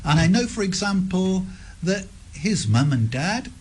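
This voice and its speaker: A man hosting a radio interview in a studio, speaking gently and summing up his guest's answers. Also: high-pitched, sing-song, unhurried, breathy edge. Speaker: radio host. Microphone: studio microphone.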